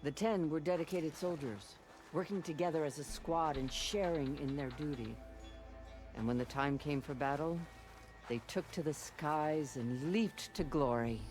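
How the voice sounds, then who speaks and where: An actor playing a solemn, reverent tribal chaplain in a video game, speaking in a measured way. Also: male voice, fairly high pitch, a little mellow, soft background music, lightly acted. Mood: solemn storytelling.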